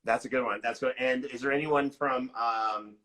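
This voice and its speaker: A man's voice: medium pitch, fairly even intonation, normal speed, a bit bright, rough recording. A man hosting a casual livestream interview, conversational and rewording his questions as he goes. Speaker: podcast interviewer.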